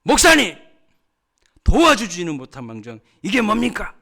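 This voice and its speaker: A shrill, high-pitched older church deaconess, as a preaching man puts her on. She cries out loudly in a strained, raised voice, a pepper farmer quick to complain. The voice sits well above the speaker's own. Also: wildly swooping pitch, creaky, full character voice. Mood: indignant.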